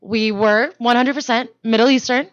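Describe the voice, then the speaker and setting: A woman co-hosting a comedic podcast, telling stories fast and animatedly, with plenty of profanity. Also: a little high, fairly even intonation, dry recording, highs cut off. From Denmark. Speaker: podcast co-host. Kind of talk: casual comedic chat.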